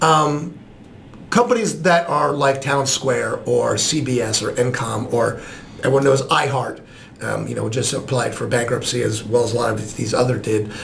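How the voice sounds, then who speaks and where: The voice comes at a moderate pace, with audible room echo and noticeable background noise. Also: man. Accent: American. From New Jersey. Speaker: radio station owner. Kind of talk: casual interview.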